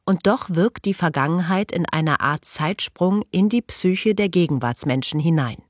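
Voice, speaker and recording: A narrator reading a scripted documentary text in a measured, even way. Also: medium pitch, no room sound, studio quality.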